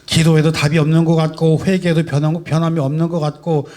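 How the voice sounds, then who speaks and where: Emphatic high-voiced male pastor preaching. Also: level tone, fast talker. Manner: emphatic preaching, rhetorical questions, swings from soft to loud. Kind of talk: sermon. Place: church sanctuary.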